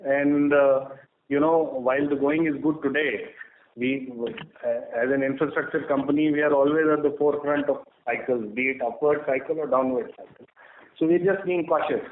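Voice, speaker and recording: A man with an Indian accent answering questions as a company executive on an earnings call, speaking in a measured, halting way with frequent pauses. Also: a little high, fairly even intonation, narrow, tinny audio, a little hiss or hum. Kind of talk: earnings call Q&A, spontaneous explanation. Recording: echoey, band-limited conference call line.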